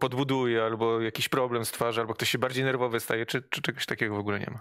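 Against a quiet background, a man with a Polish accent speaks very fast with fairly even intonation. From Poland. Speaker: sports show host. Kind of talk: casual chat. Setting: studio. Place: studio. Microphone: lapel.

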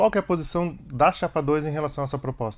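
Very fast male speech, fairly even in intonation. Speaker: radio host. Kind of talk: interview. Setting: studio. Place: studio. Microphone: lapel.

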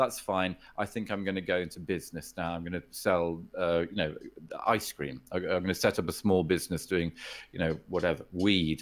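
A man with a British accent speaks at a moderate pace in a very deep, low voice with fairly even intonation. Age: 60s. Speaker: poker executive and player; podcast guest. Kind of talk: podcast interview. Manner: halting, repeats words. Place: home room.

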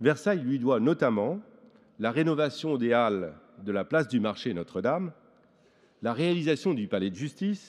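Fairly slow speech from a man, very wide pitch swings, a quiet background. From France, Lorraine; France. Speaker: law professor and mayor, new academician; law professor, mayor. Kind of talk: reading aloud a prepared tribute. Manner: formal. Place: hall. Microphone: podium.

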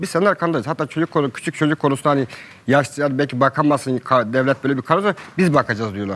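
A man at a very fast pace. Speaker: husband of woman who left; talk show guest. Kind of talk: emotional testimony on TV talk show. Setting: studio. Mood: upset, pleading, emotional. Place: studio.

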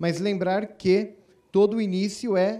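A man talks in a dark, mellow tone. That tone carries through his speech. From Brazil (São Paulo). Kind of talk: panel speech. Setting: stage with audience. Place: hall. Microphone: handheld.

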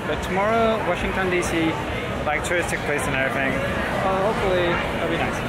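There is loud background noise as a man speaks. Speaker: motorcycle traveler vlogger. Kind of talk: casual vlog chat. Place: street. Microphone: phone near.

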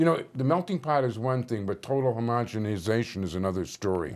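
Speaking with an American accent, a man moves at a fairly quick pace with lively intonation. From Chicago area. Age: 60s. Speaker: community TV show host. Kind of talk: interview. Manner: conversational, uses many fillers. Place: studio. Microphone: lapel.

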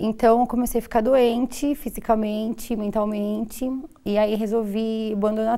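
A woman speaks against a quiet background. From Sorocaba, São Paulo state, Brazil; São Paulo state, Brazil. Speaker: visually impaired university staff member; interview guest. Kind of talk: studio interview. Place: studio. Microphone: lapel.

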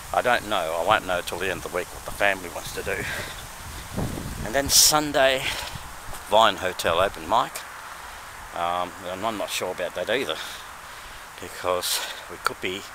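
A man speaks in a fairly low pitch, leaving long, frequent pauses. The sound is dry with no echo, over noticeable background noise. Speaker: vlogger. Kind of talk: casual vlog chat. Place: open country. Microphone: phone near.

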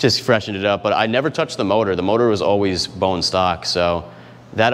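At a moderate pace, a man with a plain, everyday voice speaks at a fairly low pitch. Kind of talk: interview answer. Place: hall.

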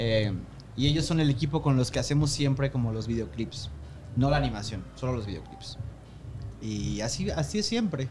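A man's pitch swings very widely, broken by long, frequent pauses. Light background noise sits underneath. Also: medium pitch for a man, moderate pace. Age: 30s. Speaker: musician; guest. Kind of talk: casual chat; interview answer. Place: studio. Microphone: studio mic.

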